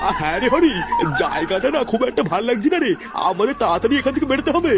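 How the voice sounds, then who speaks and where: A man plays a fretful old village uncle from a cartoon. The pitched-up voice is very high and swoops dramatically, over clear background music. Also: sing-song, racing, heavily acted. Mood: uneasy. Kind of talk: exaggerated comedy cartoon acting.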